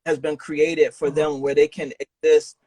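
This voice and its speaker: Higher-pitched man hosting a casual interview. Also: level tone, normal speed, dark tone, no echo. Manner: informal, enthusiastic and affirming. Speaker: podcast host interviewing a guest.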